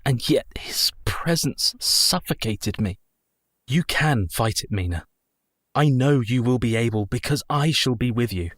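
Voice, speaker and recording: A man's voice: fairly low pitch, a bit bright, no echo. A man playing an earnest devoted husband, dry sound. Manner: earnest, tender, reassuring. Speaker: actor in radio play. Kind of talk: community radio play acting.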